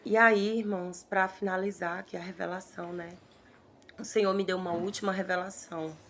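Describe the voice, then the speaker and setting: A woman, earnestly recounting a prophetic vision in halting, repeated phrases. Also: lowish voice, fairly even intonation, a bit bright, slight background noise. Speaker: prophetic preacher.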